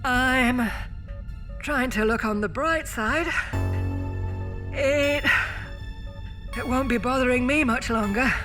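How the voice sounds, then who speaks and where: A woman playing a resolute, weary, self-sacrificing starship captain in a science-fiction audio drama, with halting, measured delivery. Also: high voice. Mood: weary, tender. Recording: loud music bed under the voice. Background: music.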